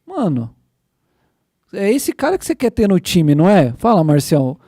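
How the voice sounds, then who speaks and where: A young man hosting a casual church podcast, excitedly retelling scripture in slangy everyday speech. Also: high-pitched, moderate pace, no echo, studio quality. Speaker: podcast host.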